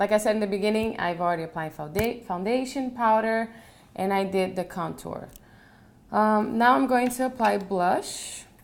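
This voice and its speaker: A woman talks in a fairly high voice with a Portuguese accent. Her pitch varies in an ordinary way. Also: moderate pace. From Brazil. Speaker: makeup tutorial vlogger. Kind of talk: tutorial.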